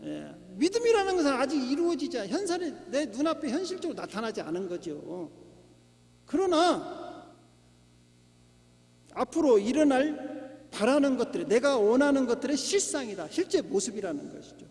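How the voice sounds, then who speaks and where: A middle-aged man preaching a sermon as a pastor, emphatic, with rhetorical questions and shouts of hallelujah. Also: extremely high pitch, big pitch swings, moderate pace. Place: church sanctuary. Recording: long church hall reverb.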